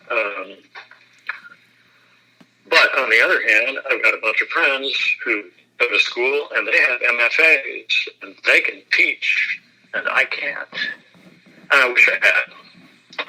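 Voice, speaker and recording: A man, an actor, giving a relaxed and self-deprecating interview, laughing often as he talks. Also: medium pitch, husky, rough recording.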